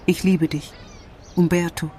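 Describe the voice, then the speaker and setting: A woman acting a tender, earnest mother in a melodramatic radio play. Her voice is on the low side, with faint noise and clicks behind it. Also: little pitch movement, unhurried, warm tone, close to an everyday voice. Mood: tender, solemn.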